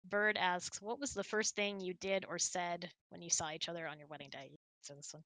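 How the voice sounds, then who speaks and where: A woman's voice: lowish voice, steady tone, moderate pace, fairly bright tone, dry recording. A woman hosting a casual question-and-answer chat in an informal, giggly, chatty way. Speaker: host.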